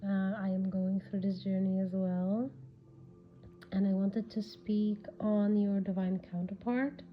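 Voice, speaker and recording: Female spiritual podcast host, congested and raspy, very unhurried, dull lo-fi sound. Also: medium pitch, flat delivery. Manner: hushed, hesitant, with long pauses. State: has a cold, irritated throat. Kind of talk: unscripted spiritual guidance talk. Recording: dull lo-fi audio with background music. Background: music.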